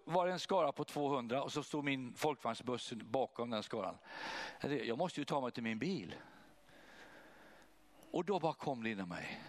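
A man preaching, telling a personal testimony in an animated way and acting out what others said. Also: mid-range voice. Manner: animated, acts out voices of others. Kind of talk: testimony storytelling.

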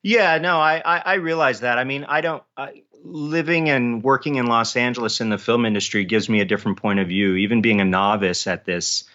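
A man's voice: medium pitch, a little fast, few pauses, pushed and bright. A man speaking as an interview guest in a casual, hesitant, self-effacing way. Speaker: podcast guest, author and post-production engineer. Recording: slightly dull, band-limited audio.

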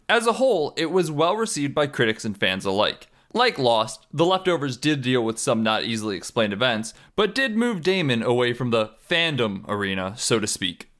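A man's voice: medium pitch, a bit bright. A man narrating a written article as a scripted essay reading.

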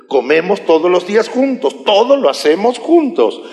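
A man delivering a sermon with a raised, lively voice that leaps up and down in pitch. He is animated and teases the congregation between points. The sound carries a long echo from a big church hall. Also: normal speed. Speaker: pastor. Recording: echoey hall reverb.

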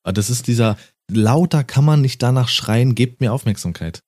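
A man's voice: mid-range voice, normal speed, a little mellow, no echo, studio quality. A man chatting casually on a podcast, blunt and fond of swearing, often laughing. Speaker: podcast co-host.

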